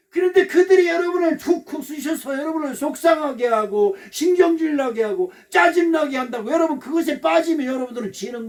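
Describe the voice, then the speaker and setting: Recorded from a distance, a man with an extremely high-pitched voice preaches a sermon as a pastor. He is emphatic and repetitive, acting out the voices of other people as he quotes them.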